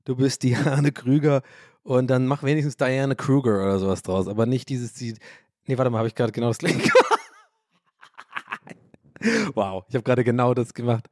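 A man's voice: mid-range voice, moderate pace, pauses often, no echo, studio quality. A man from Ireland hosting a podcast, rambling and joking in casual chat, swearing and mocking himself. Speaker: podcast host.

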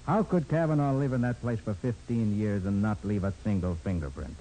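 A man acting a sharp, skeptical master detective in a 1940s radio crime drama, with brisk, probing questions. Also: fairly low pitch, lightly acted. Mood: skeptical, insistent. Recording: noisy vintage 1940s radio recording.

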